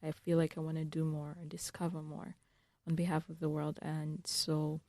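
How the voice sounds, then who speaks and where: A young woman from Uganda, a student guest answering radio interview questions in an earnest, thoughtful way with frequent pauses. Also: low voice, little pitch movement, dark tone, dry recording, studio quality. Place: radio studio.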